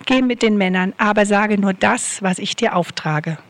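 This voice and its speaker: A woman's voice: mid-range voice, normal speed, lightly acted. A stern, sword-bearing angel who speaks in a solemn, commanding way, as a woman preacher voices him. He comes from a retold scripture story.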